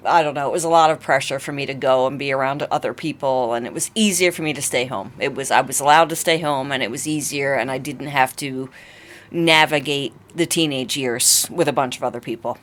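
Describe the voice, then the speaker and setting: A woman's voice: very deep voice, brisk. A woman casually looking back on her own life in an interview.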